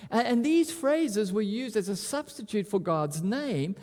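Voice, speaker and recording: A man preaching a sermon at a pulpit microphone, animated and often repeating words as he restarts. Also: high-pitched, a little slow, long reverb tail. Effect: speaking at a pulpit microphone. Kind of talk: expository sermon.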